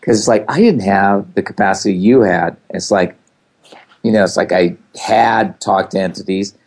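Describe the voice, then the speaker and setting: A man's voice: fairly low pitch, normal speed, a little mellow. A man hosting a casual talk show, rambling with many fillers. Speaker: host. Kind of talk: casual chat. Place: California.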